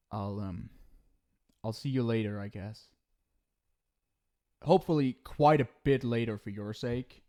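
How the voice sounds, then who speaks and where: A man's voice: mid-range voice, mellow, natural voice. A man playing an affectionate, centuries-old ghost soulmate in an intimate ASMR roleplay, speaking casually and hesitantly. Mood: shy, tender. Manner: casual, hesitant, tender, reassuring.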